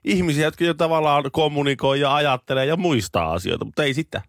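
A man's voice: a little high, dry recording, clean studio sound. A man in his thirties co-hosting a morning radio show, talking in a hesitant, rambling way. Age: 30s. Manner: hesitant, rambling, many restarts. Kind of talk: casual radio chat. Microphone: studio microphone.

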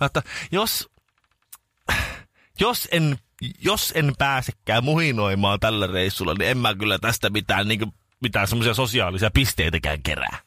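A male radio morning show host telling a rambling, animated anecdote in casual chat, with many restarts. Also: on the low side.

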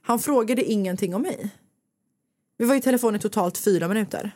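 A woman, a podcast host talking casually and telling a story in a lively way, acting out what others said. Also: mid-range voice, dry recording. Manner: animated storytelling, acting out quotes. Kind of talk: casual chat.

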